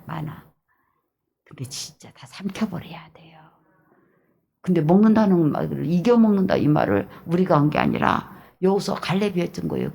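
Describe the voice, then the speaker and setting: Woman pastor, Jeolla Korean accent, gravelly low voice, emphatic sermon with hushed asides. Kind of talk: early-morning sermon.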